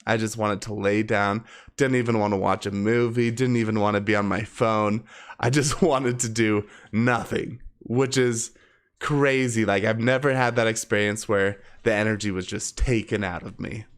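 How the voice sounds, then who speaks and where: A man's voice: lowish voice, steady tone, moderate pace, clean tone. A man with a slightly congested, sniffly voice from a cold, chatting casually and conversationally to his live stream viewers. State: sick with a cold.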